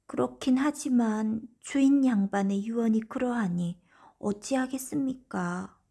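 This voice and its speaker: A woman's voice: on the high side, unhurried, warm tone, slightly rough, voice pushed up. A woman voicing a grieving young widow of about thirty in a folktale storybook, speaking politely and plaintively. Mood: sorrowful. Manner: formal, deferential, plaintive.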